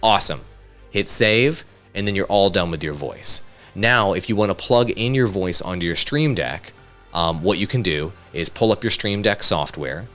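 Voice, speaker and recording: A man presenting a casual software tutorial in an upbeat, conversational way, speaking directly to viewers into a studio microphone. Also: low-pitched, expressive, normal speed, faint music behind. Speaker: tutorial host, content creator. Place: home studio.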